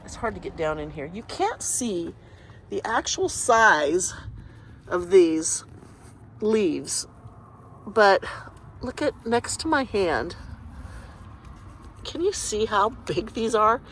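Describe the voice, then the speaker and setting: Female gardening vlogger, congested and chatty, mid pitch, faint outdoor noise behind her. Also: sing-song, takes it slowly, pauses often. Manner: chatty, rambling, talks to camera. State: congested, sniffling. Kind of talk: casual garden walkthrough.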